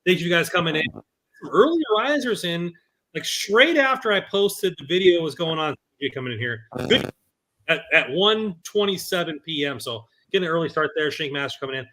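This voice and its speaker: High, bright-voiced hype host man. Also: moderate pace, rough recording. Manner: energetic, hype-building. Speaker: podcast host. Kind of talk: casual podcast chat.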